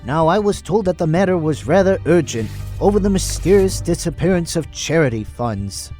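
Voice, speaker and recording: A man's voice: a little high, lively intonation, moderate pace, mellow, soft background music, lightly acted. A man playing a glib, easily rattled private detective in an audio drama. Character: glib male private detective, nervous under threat.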